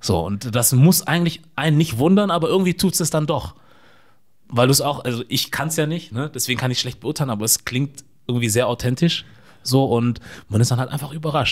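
A somewhat breathy man at a fairly quick pace, his intonation lively. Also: quiet background. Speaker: podcast host. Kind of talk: interview. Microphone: studio mic.

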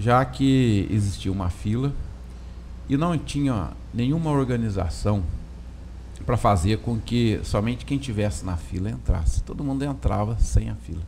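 At a moderate pace, a man speaks in a fairly low voice over light background noise. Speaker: guest commentator on radio. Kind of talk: interview answer. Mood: concerned, warning tone. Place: studio. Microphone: studio mic.

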